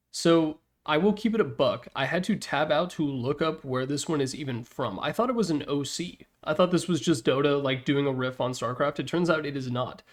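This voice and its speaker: A young man giving casual, opinionated commentary on video games in an informal, slangy, joking way. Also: fairly high pitch.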